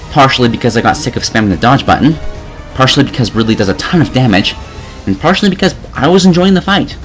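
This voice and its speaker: A man reading scripted video game review commentary in a sarcastic, exasperated manner. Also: mid-range voice. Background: music.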